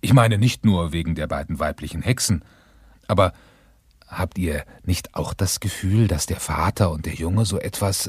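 Deep, husky, wry storyteller. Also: male voice, no echo, studio quality, heavily acted. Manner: deliberately halting, confiding, drily mocking. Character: wry storybook narrator, chatty, bemused entertainer. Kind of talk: 1980s German children's radio play narration.

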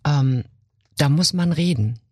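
A woman's voice: deep voice, unhurried, breathy edge, no room sound, studio quality. A woman, an actress, chatting as a guest on a podcast and telling stories in a playful way. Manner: playful, animated storytelling. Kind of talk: casual podcast chat.

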